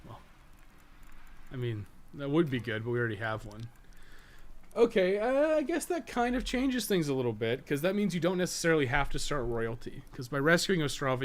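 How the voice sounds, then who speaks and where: A man giving casual live game-stream commentary, thinking aloud in a rambling, blunt way and swearing freely. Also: mid-range voice. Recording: clear background noise.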